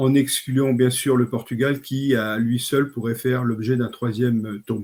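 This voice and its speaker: Fairly slow and monotone, a man speaks with flat intonation. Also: medium pitch for a man. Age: 60s. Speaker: genealogist and author. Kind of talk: interview. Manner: halting, many hesitations.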